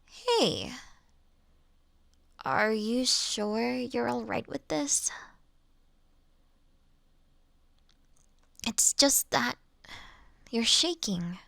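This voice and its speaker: A woman performs a polite vampire girl, forever young in looks, for an audio roleplay. Her voice sits fairly high and is recorded very dry, with no room sound. She talks in a gentle, conversational, mildly wry way, as if putting a nervous guest at ease. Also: drawn-out words, vocal fry, pauses often, dry recording, exaggerated voice. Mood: concerned, gentle. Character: childlike-looking ancient female vampire, polite, reassuring, mildly wry. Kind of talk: scripted audio roleplay addressed to the listener.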